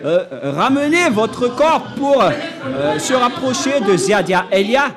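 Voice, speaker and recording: A man preaching an emphatic sermon, often shouting, at a live church service. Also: extremely high pitch, expressive, slow pace, gravelly. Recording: live church recording with music and crowd.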